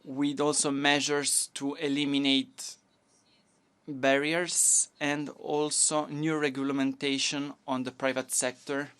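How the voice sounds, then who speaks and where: A Portuguese government minister from Portugal, a woman, delivers a formal conference speech in her second language, Portuguese being her native tongue. Her voice is low-pitched, level, slightly bright, clean and smooth. She speaks in a measured way, halting now and then and restarting.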